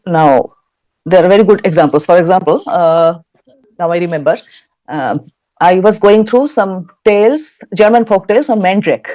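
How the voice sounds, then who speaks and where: Speaking at a moderate pace in a fairly low, dark voice, this folktale researcher and writer from West Bengal is being interviewed. Her accent is Bengali Indian, she frequently searches for the right word while explaining, and the recording sounds dull and lo-fi.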